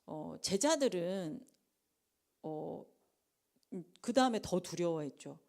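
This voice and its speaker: Lively woman preaching a conversational sermon. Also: lowish voice, takes it slowly, gravelly. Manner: animated, acts out the disciples' and Jesus' lines in dramatized quotes; drops to a whisper for emphasis. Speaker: preacher at a late-night prayer meeting.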